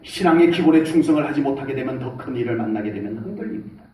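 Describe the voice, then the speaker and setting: A middle-aged man preaching a sermon as pastor in a church, talking with lively gestures of voice and shouting out salutes as he acts out soldiers. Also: medium pitch, fast, slight background noise. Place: church sanctuary. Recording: echoey hall, mic from a distance.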